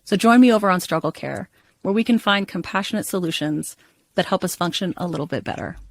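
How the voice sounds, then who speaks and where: A woman's voice: fairly low pitch, a little fast, gravelly. A woman who works as a therapist, reading a scripted promo for her own podcast in a reassuring, plainspoken way.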